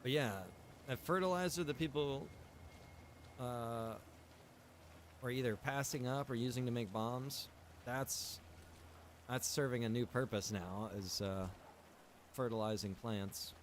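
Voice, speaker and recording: A man streaming a survival game, talking casually and thinking out loud with the odd chuckle as he plays. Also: medium pitch, measured pace, long pauses, a little hiss or hum. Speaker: streamer and game server developer. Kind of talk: live-stream gameplay commentary.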